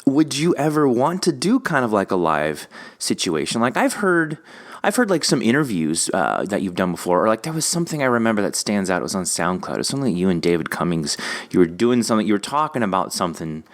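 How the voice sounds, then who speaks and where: A man's voice: on the low side, sing-song, fast. A man hosting a podcast interview, chatting informally and enthusiastically in a rambling, conversational way. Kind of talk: casual interview chat.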